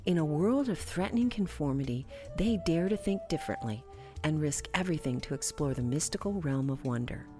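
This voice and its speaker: A woman's voice: low voice, expressive, a little fast, few pauses, darkish tone, soft background music. A woman from California hosting a radio show, chatting with guests in a loose, filler-heavy way. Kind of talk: casual interview and promo.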